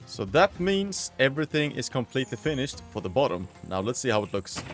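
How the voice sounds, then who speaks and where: A man hosting a gaming video, giving casual gameplay commentary with excited outbursts and casual slang. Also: medium pitch, brisk, soft background music.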